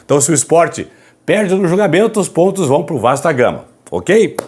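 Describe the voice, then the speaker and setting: A man presenting football news commentary to viewers, speaking softly with a hoarse, raspy voice as he recovers from a throat problem. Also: on the high side, sing-song, fairly quick, a little hiss or hum. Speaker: sports commentary host.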